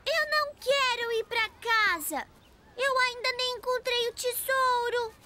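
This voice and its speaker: A performer voicing a curious, eager four-year-old boy in a Brazilian cartoon dub, childlike and expressive, with a Brazilian accent. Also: very high voice, a little slow, slight background noise, heavily acted. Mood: reluctant.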